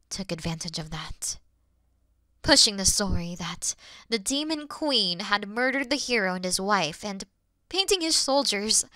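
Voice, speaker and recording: A woman playing a weary, noble and gentle demon queen in a fantasy audio roleplay, speaking earnestly in a breathy, hushed way. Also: mid-range voice, dry recording. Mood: grieving. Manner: solemn, slow, earnest, breathy hushed delivery.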